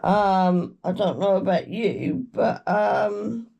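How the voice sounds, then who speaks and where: A woman with a British accent, croaky from a cold, giving a slow, meandering tarot reading with murmured chants. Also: mid-range voice, mellow, muffled recording. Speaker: tarot reader. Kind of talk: casual tarot reading chat.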